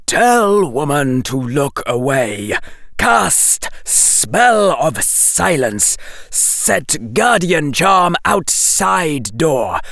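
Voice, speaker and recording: A man's voice: fairly high pitch, very animated, extremely slow, gravelly, a bit bright, no echo, studio quality, pitched above the performer's own voice, heavily acted. A man voicing a cold, imperious male snake who hisses clipped, scornful commands with small words dropped. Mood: commanding. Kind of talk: audiobook character voice.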